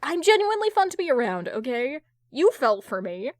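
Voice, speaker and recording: A woman's voice: high voice, big pitch swings, fairly quick, dry recording, clean studio sound, pitched above the performer's own voice. A woman voicing a flustered, defensive man, insecure but boastful, in an audio fan-fiction drama. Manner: stammering, protesting.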